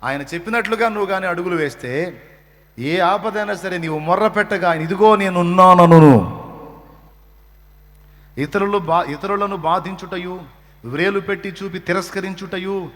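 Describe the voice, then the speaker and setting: A man's voice: high voice, normal speed, fairly bright tone, big-room sound. A man preaching a sermon as a pastor, emphatic and repetitive, often acting out a comforting parent's words. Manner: emphatic, repeats phrases, voices comforting parent. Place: church.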